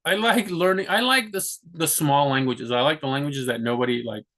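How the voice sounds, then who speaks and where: A man's voice: a little high, brisk, pushed and bright. Rambling man talking about his plans. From United States. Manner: rambling, many restarts and "like" fillers. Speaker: vlogger. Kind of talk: casual talk to camera.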